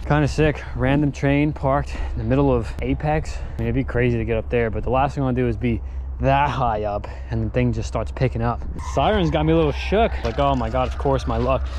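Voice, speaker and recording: Music plays in the background as a man speaks at a fairly quick pace. His voice is very deep and low, with ordinary pitch variation. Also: dry sound with no echo. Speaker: scooter rider vlogger. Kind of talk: casual vlog chat. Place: open country. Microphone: phone near.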